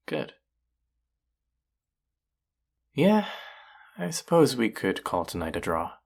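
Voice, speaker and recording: A man's voice: fairly low pitch, gravelly, full character voice. A man acting a cocky, teasing male chef in an intimate romantic audio roleplay, speaking to his rival and love interest.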